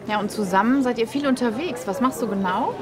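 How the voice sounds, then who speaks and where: A woman's voice: a little high, brisk, a crowd in the background. A woman presenting a travel show on location, chatting casually and exclaiming with enthusiasm.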